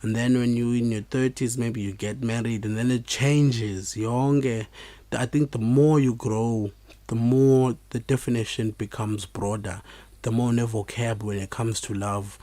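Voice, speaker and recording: A man with a Xhosa South African accent hosts an informal podcast, speaking in a halting, reflective way. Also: medium pitch, steady tone, warm tone, dry recording. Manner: halting, reflective delivery with repeated words. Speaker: podcast host. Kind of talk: informal solo podcast talk, mixing two languages.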